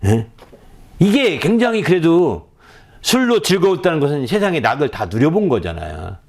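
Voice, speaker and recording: A middle-aged man preaching a sermon, animated, with many rhetorical questions and homely story asides. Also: a little high, moderate pace, creaky. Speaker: pastor.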